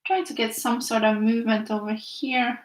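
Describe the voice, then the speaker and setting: A woman's voice: a little high, steady tone, normal speed, echoey room. Finnish-accented woman chatting while painting. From Finland. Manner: chatty, reads viewer comments aloud. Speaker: art teacher streaming live. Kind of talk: casual chat while painting.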